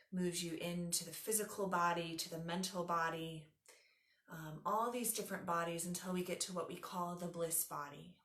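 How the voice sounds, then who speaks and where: A woman teaching yoga nidra, leading a guided meditation in a soothing, instructive, unhurried way. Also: lowish voice, fairly bright tone, roomy sound.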